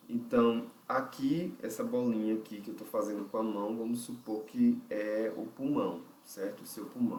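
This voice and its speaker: Speaking with a Brazilian Portuguese accent, this man leads a lesson on vocal technique, his voice lowish and slightly mellow. He lays things out one step at a time, reasons out loud, and keeps asking whether the listener is following. A distant mic gives the audio a roomy quality.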